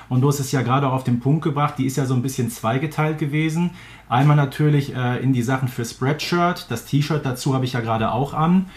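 A man interviewing a guest in a casual, conversational style. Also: on the high side. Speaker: podcast interviewer.

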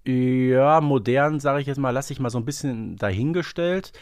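A man's voice: medium pitch, moderate pace, darkish tone, clear, resonant tone, dry recording, clean studio sound. A man co-hosting a podcast, talking casually and analytically, wordy and thinking aloud as he goes. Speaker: podcast co-host. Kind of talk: casual fan discussion, analytical chat.

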